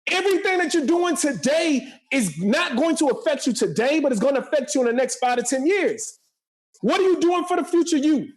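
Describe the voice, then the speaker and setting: A man in his forties speaks in a strikingly high register. He delivers motivational talk with a preacherly drive, hammering key phrases by repeating them. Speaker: podcast guest, motivational speaker and entrepreneur.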